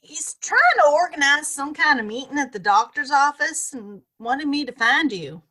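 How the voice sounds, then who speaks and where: A woman's voice: high-pitched, expressive, moderate pace, sharp tone. A woman playing a coy, brassy saloon woman in a western audio play. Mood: coy, teasing.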